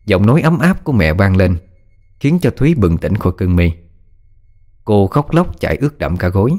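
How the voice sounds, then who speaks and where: A man reading a scripted horror story in a dramatic, expressive way. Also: on the low side, normal speed, faint music behind.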